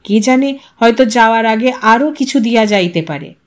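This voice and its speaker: A woman storyteller giving an expressive, literary narration of an audio story. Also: fairly high pitch, normal speed.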